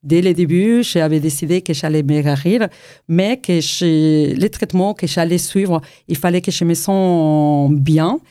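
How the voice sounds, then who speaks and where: A woman's voice: low voice, measured pace, dark tone, clear, resonant tone, no echo, clean studio sound. A middle-aged woman with an Argentine Spanish accent, a Spanish native speaker, telling her story as a guest, hesitant with many fillers. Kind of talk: personal testimony interview.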